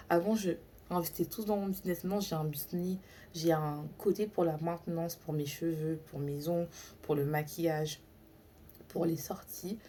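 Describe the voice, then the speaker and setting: A woman's voice: on the low side, warm tone, slight background noise. A woman mindset coach in a casual vlog, chatting in a confiding way and talking straight to the viewer with plenty of filler phrases. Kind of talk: casual self-help vlog to camera.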